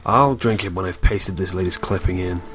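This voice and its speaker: A man's voice: sits low, moderate pace, fairly bright tone, faint music behind. An actor playing a weary, earnest older father and lawman in a radio drama. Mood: absorbed, homely.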